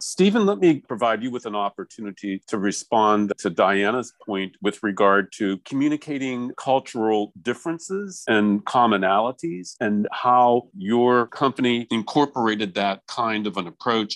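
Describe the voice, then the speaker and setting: In an unremarkable speaking voice, a man talks at a moderate pace with hardly any pauses, a medium pitch and ordinary pitch variation, in a dry, close sound with no echo. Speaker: podcast host. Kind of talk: moderated interview. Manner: formal.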